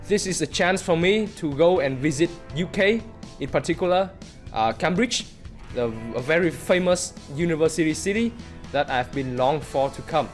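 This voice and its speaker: A young man from Vietnam with a fairly high voice who speaks formally and sounds eager. Light guitar music plays behind him. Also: lively intonation, moderate pace.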